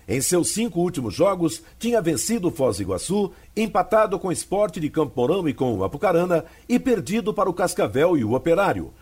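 A man's voice: fairly high pitch, sing-song, a little fast, a little mellow, slightly rough. A Brazilian man reading a scripted sports history narration for radio.

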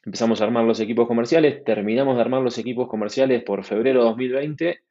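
The speaker is a startup manager from Argentina, chatting in a conversational interview with a medium-pitched voice and a fast delivery. He speaks Argentine-accented Spanish, relaxed and fluent but with frequent restarts and fillers, in a muffled recording.

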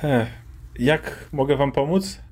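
A man voicing a grieving, wary middle-aged mayor who talks softly and hesitantly. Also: medium pitch, slow. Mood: subdued.

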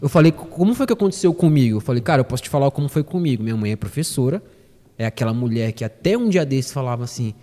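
A man chatting as a guest on a podcast, relaxed, swearing freely and laughing often. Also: medium pitch, fast, big-room sound. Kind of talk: casual chat.

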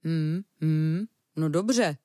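A woman voicing a calm, patient male bear who speaks slowly and thoughtfully in a children's storybook reading. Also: low-pitched, no room sound, clean studio sound, natural voice. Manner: slow, thoughtful, hesitant.

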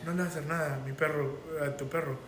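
A man's voice: a little high, quick pace, echoey room, a little hiss or hum. A man from Mexico with a Mexican Spanish accent, telling anecdotes animatedly in casual podcast chat. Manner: animated storyteller.

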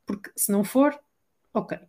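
A woman with a European Portuguese accent, a voice coach explaining techniques in an energetic, chatty podcast conversation. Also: medium pitch, normal speed. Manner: energetic, explanatory, acts out quoted dialogue. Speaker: voice coach guest. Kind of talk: casual podcast chat.

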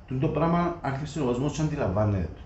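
This Greek Cypriot-accented man has a medium-pitched, expressive voice with a darkish tone. He talks through his opinions casually and colloquially, playing out imaginary customer dialogue. The audio is muffled and echoey, with a faint hiss.

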